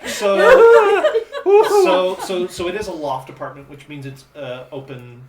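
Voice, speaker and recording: A man playing a tabletop roleplaying game, describing the scene in a rambling, halting way. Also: high voice, wildly swooping pitch, over a noisy crowd. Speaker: player. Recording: roomy distant mic with faint hiss.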